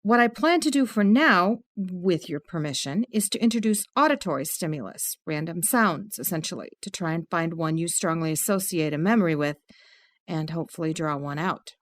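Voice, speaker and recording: An actress playing a methodical female psychologist who explains things in a measured, clinical way, in an audio drama. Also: on the low side, animated, natural voice. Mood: calm. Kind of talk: full-cast audio drama.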